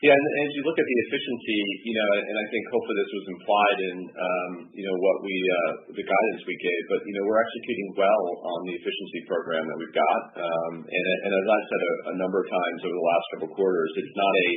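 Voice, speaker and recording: A deep-voiced man who talks quickly, a finance executive on an earnings call. He is brisk and often restarts his phrases. The sound is thin and tinny, like a phone line, with a faint hiss. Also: steady tone.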